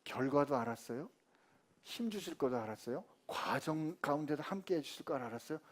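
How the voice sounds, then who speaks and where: Animated male pastor preaching. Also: a little high, a little fast. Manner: animated, colloquial, swings from loud to hushed. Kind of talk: sermon.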